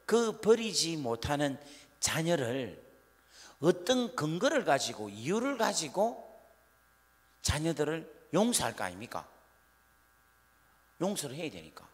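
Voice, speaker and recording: A man's voice: fairly high pitch, very animated, measured pace, long pauses. A man preaching a revival sermon in a church, questioning the congregation and acting out scolding parents. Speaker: pastor. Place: church sanctuary. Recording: long church hall reverb.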